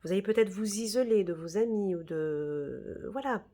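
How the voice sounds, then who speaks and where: A tarot reader with a mellow, mid-range female voice gives a casual, reassuring reading at normal speed, peppered with fillers and "d'accord?" checks.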